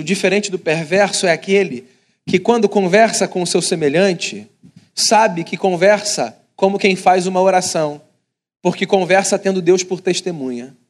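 A man in his thirties from Brazil, preaching a sermon and telling a family story with animated delivery. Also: sits high. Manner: animated storytelling, acts out voices. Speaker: pastor.

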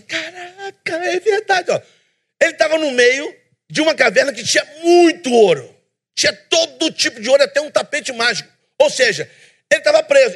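A man preaching a sermon in a church, emphatic and animated, with self-deprecating humor. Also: very high voice.

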